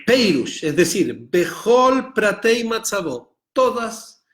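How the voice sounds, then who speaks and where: A man's voice: high-pitched, sing-song, slow, fairly bright tone. A middle-aged man with a Chilean Spanish accent teaching an online Torah class, reading Hebrew text aloud and translating it line by line, often checking in with his students.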